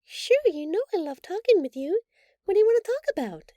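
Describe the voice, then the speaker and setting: A woman voicing a shapeshifted alien posing as a sweet, anxious human girlfriend in an intimate audio roleplay, speaking softly and haltingly. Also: very high-pitched, expressive, dry recording. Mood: sweet, caring. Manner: soft, halting, pleading, stammering. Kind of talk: audio roleplay acting, intimate address to listener.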